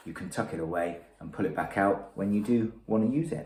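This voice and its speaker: With a West Country accent, a man talks in a dark, mellow tone with lively intonation, and the room echo is audible. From England, Somerset. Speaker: amateur runner reviewing gear. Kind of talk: product review video. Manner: casual, with fillers.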